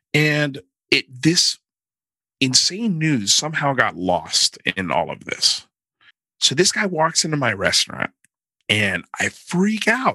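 A man speaks very slowly with a bright, sharp tone. His pitch swings very widely, and he leaves long, frequent pauses. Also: fairly high pitch for a man, dry, close sound with no echo. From Miami, Cuban-American. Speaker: actor and improv comedian. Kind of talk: casual interview chat.

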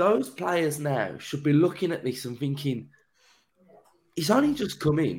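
A somewhat breathy delivery at a fairly slow pace, broken by long, frequent pauses. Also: man, fairly high pitch for a man, ordinary pitch variation. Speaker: football fan podcast host. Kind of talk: casual chat. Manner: animated.

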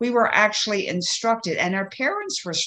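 With an American accent, this woman's voice has a bright, sharp tone and lively intonation. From US East Coast, Baltimore, Maryland. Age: 70s. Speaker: coach and author on shame and guilt. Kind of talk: interview conversation.

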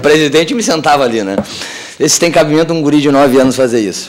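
A man speaks at a very fast pace in a fairly high voice. His pitch varies in an ordinary way, and there is noticeable background noise. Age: 40s. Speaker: entrepreneur and company founder. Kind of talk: radio interview. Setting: radio studio.

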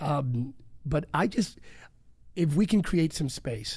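The voice has a dark, mellow tone and is somewhat breathy, on a very clean recording with a silent background. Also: man. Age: 40s. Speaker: pastor. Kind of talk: interview.

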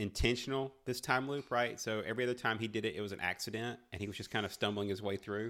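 A man with a medium pitch and ordinary pitch variation races along at a very fast pace. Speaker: podcast co-host. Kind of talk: casual chat podcast, recap and banter.

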